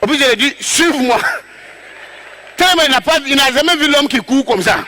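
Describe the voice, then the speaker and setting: Stand-up man, West African French accent, animated storyteller, very high and sharp voice. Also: quick pace, slight background noise. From Togo. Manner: animated, acts out scenes, shouts and drops to low asides. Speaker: stand-up comedian. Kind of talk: comic storytelling on stage.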